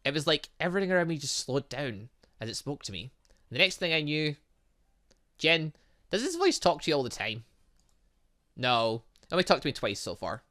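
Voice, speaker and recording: A man with a fairly high, bright voice hosts a gaming video. He reads dialogue aloud with lively swings in pitch, drops in casual remarks, and trips over words before fixing them. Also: moderate pace, pauses often. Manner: stumbles over words when reading, self-correcting. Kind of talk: casual let's-play, reading game dialogue aloud with asides.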